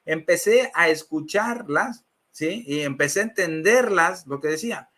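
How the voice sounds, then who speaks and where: A middle-aged man with a Mexican accent tells his conversion story in a lively, personal way. His voice sits high and sounds bright and forceful. He slips into the voices of the people he quotes and often pauses on fillers. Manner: animated storyteller acting out quoted dialogue, many fillers. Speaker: guest giving a faith testimony.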